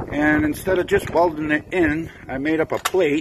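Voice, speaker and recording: A man is speaking. Noticeable background noise runs behind him. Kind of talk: tutorial. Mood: relaxed, matter-of-fact. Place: garage. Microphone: phone near.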